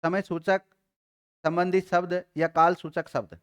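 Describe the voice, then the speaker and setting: A Hindi grammar teacher with a Rajasthani Hindi accent runs a live class, calling on students and making them repeat letters one by one. He speaks very slowly and deliberately. His voice sits a little high for a man. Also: flat delivery, clean tone.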